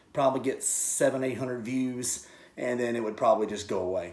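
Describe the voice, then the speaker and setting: Fairly quick speech from a man at medium pitch, with the room's echo audible. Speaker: vinyl record YouTuber. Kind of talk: casual vlog. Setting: home man cave room. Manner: fast.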